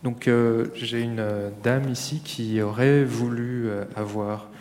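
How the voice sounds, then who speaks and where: Slow, halting man relaying questions in a hall. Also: mid-range voice, fairly even intonation, darkish tone. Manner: halting, many fillers. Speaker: audience question moderator. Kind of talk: relaying questions at a public lecture. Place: lecture hall. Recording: reverberant hall.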